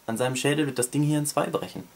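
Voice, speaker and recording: A man's voice: on the high side, steady tone, very fast, voice pushed up, close to an everyday voice. A man reading aloud the lines of a cocky, teasing young schoolboy in a book excerpt, in a slightly raised, breezy voice.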